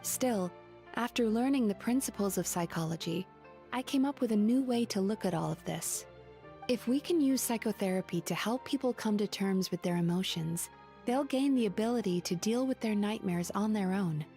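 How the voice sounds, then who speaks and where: An actress voicing a gentle, wistful female dream-eating spirit who works as a psychologist in a video game, speaking in a measured, reflective way. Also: mid-range voice, expressive, soft background music, close to an everyday voice. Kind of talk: video game character dialogue.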